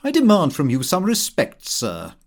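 A man plays a middle-aged British clerk from a comic storybook, puffed up with his own dignity. He speaks stiffly and indignantly, his pitch swinging widely. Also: wildly swooping pitch, moderate pace. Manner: stiff, formal, affronted. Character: pompous, indignant middle-aged male senior clerk diarist. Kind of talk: audiobook character dialogue.

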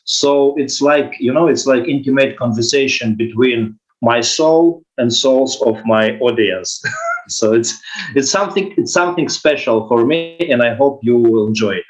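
A man from Ukraine, not a native English speaker, talking haltingly as a guest musician in a casual interview, pausing often to find his words. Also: mid-range voice, rough recording. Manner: halting, searching for English words with many fillers.

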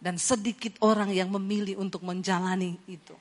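A woman preacher giving a lively sermon, telling stories and mimicking the voices of the people in them. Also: mid-range voice, brisk. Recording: hall reverb.

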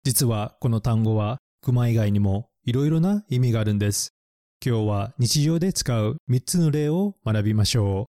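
A man narrating a bilingual lesson, explaining English words slowly and spelling them out letter by letter. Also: medium pitch, animated, mellow, no room sound, studio quality.

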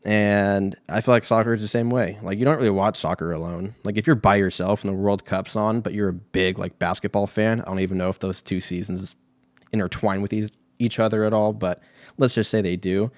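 Low-pitched young American man rambling casually. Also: steady tone, brisk, dry recording, clean studio sound. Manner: rambling, profane, slangy storytelling. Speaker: host of a comedic talk show. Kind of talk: casual comedic monologue.

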